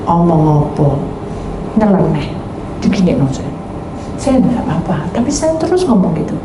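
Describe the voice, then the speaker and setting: Animated woman preaching in an echoey room. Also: sits low, moderate pace. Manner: animated storytelling, acting out dialogues, addresses congregation. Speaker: pastor. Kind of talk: sermon with testimony. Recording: echoey room with faint background noise.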